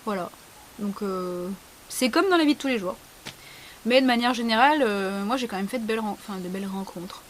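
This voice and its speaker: A woman's voice: medium pitch, a little fast, a little hiss or hum. A young woman vlogger talking casually and bluntly, sarcastic and frank, with lots of fillers. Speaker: beauty vlogger. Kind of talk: casual vlog answering a question tag.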